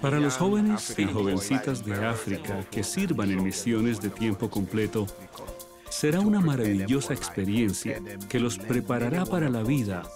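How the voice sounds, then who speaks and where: A man speaking earnestly and heartfelt in an interview. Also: fairly low pitch. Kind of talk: interview remarks.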